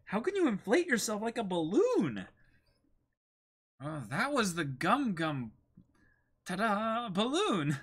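A man's voice: high-pitched, huge pitch swings, takes it slowly, pauses often, fairly bright tone, slightly rough, pitched above the performer's own voice, full character voice. A man voicing young pirate adventurers in an exclaiming, dramatic comic-book reading. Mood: teasing, amazed.

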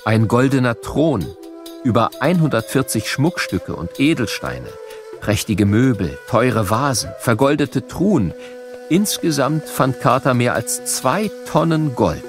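A man narrating a scripted educational audio programme for children in a measured, explanatory way. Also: mid-range voice, very animated, music in the background.

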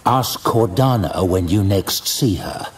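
A man voicing a courteous, slightly weary archmage in a fantasy audio drama, with a dry, calm manner. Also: sits low, takes it slowly, pitched below the performer's own voice. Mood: tense, controlled. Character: wry, composed male archmage, weary but courteous.

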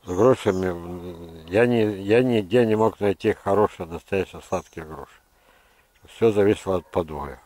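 An older man with a deep voice talks like a seasoned gardener explaining his orchard. He speaks without a script, halting and digressing as he gives firm opinions. The sound is dry and open, recorded outdoors. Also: dark tone, no room sound. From Russia. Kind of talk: unscripted instructional monologue.

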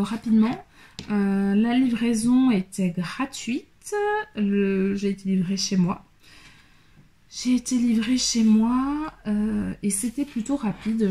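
With a slightly high, mellow voice, a woman goes through her latest fabric purchases for her sewing channel. She's chatty and loose, using plenty of fillers while she holds up and shows each piece.

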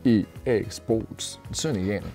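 A man's voice: lowish voice, dark tone, faint music behind. A man in his thirties hosting, chatting casually in a playful, teasing way, in a small room. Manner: playful teasing, quick banter. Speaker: host. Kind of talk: casual joking chat.

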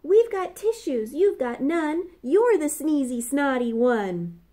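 A woman's voice: extremely high pitch, lively intonation, takes it slowly, a little mellow, pitched above the performer's own voice, heavily acted. A woman voicing small, squealing male piglets who refuse and tease in a sing-song way. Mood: taunting sing-song.

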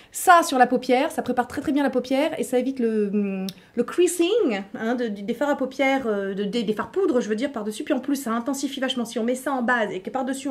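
A middle-aged woman with a slightly high voice chats casually as a beauty vlogger. She talks straight to her viewers with plenty of fillers, restarts and playful asides. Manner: chatty, many restarts and fillers. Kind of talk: casual unboxing chat.

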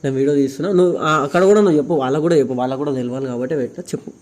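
A man's voice: medium pitch, racing, mellow. A young man with a Telangana Telugu accent, a vlogger talking earnestly and insistently to his partner on camera, often repeating himself. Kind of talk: emotional on-camera conversation.

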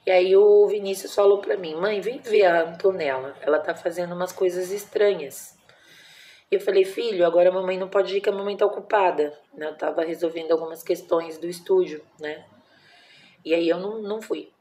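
Brazilian woman, 40s, home vlogger; low, dark tone, tender and emotional storytelling. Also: steady tone, fairly quick, slight background noise. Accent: Brazilian Portuguese. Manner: emotional, tender, uses many diminutives and fillers like "né". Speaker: vlogger, mother. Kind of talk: casual personal vlog storytelling.

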